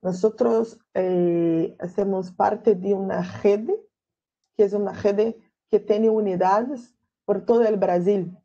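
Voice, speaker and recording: A Brazilian woman with a Portuguese accent lectures in Spanish, slowly and with care as she searches for words. Her voice is mellow and low in brightness. She comes through a video call with slightly muffled sound. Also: fairly even intonation. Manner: slow and careful, searching for words. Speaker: guest lecturer.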